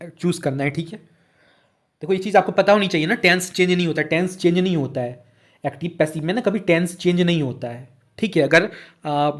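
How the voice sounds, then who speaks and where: A man with a fairly high-pitched voice runs an exam-prep lesson in Hindi, reading words. He goes over each answer again and again and keeps checking that the students follow. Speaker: online tutor.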